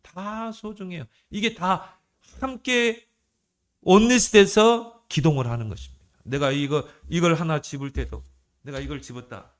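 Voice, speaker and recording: A man's voice: a little high, normal speed. A male pastor delivering a sermon in a conversational style, asking the congregation questions and varying his emphasis. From South Korea. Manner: conversational preaching with rhetorical questions and shifting emphasis.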